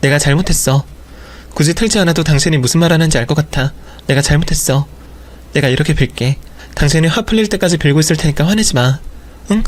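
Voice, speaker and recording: A man's voice: fairly high pitch, quick pace, natural voice. A man playing a defensive young wife who stammers and pleads with her husband. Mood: pleading. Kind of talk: audio drama storytelling.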